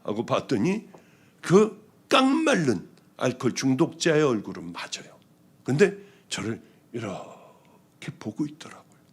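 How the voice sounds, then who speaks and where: A male pastor giving a testimony sermon, telling his story with strong feeling and moving between hushed and loud passages. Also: mid-range voice, very animated, a little slow, breathy edge.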